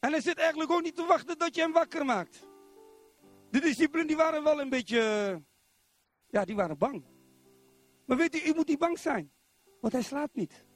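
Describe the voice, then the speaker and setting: High-voiced Dutch preacher man. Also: moderate pace, long pauses, soft background music. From Netherlands, Zwolle. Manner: animated, keeps asking the congregation questions. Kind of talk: sermon. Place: church.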